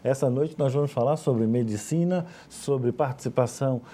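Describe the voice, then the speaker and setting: A male television host with a Bahian Brazilian accent, speaking in a very dark, mellow tone. He asks his questions briskly and drops in casual, colloquial remarks. The setting is a studio interview. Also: mid-range voice. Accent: Brazilian Portuguese, Bahian.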